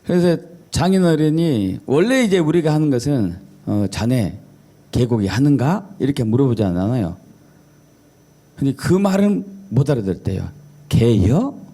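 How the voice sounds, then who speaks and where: A man's voice: fairly high pitch, very animated, moderate pace, dark tone. A male pastor giving a Sunday sermon in a jokey storytelling way, mimicking regional dialects. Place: church service.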